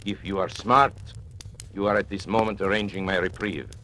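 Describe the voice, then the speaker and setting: An actor playing a sinister agent who narrates and taunts powerful men in theatrical 1940s radio acting. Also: male voice, deep voice, steady tone, normal speed, bright, forceful tone, slight background noise. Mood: menacing. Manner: menacing, mocking, theatrical. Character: sinister male confidential agent turned blackmailer.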